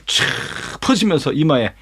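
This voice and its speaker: Animated high-voiced male pastor. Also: a little slow, creaky, slightly rough. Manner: dramatic, with vivid sound words and rhetorical questions; acts out quoted lines himself. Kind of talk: animated Bible lesson storytelling.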